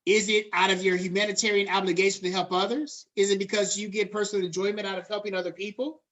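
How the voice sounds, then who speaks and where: A man's voice: high voice, little pitch movement, quick pace, fairly bright tone. A middle-aged man giving a classroom lecture in a conversational way, slipping into casual slang. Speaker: college lecturer.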